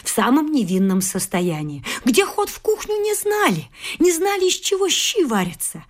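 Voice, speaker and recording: A woman's voice: high-pitched, wildly swooping pitch, normal speed. An actress playing an indignant, haughty elderly mother-in-law in a classic radio play, lamenting and scolding with theatrical self-pity. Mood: self-righteous. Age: older.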